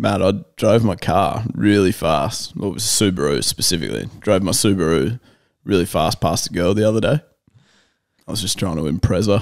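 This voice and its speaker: A very deep, low-pitched man with vocal fry and lively intonation, fairly quick in pace, over a quiet background. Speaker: podcast co-host telling jokes. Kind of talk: casual joke telling. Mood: playful, laughing. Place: home room. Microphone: studio mic.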